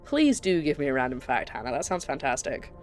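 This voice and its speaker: A woman's voice: extremely low pitch, sing-song, brisk, soft background music. Chatty Scottish woman streaming a game. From Scotland. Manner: chatty, rambling, with frequent self-interruptions. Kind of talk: casual chat while live-streaming a game.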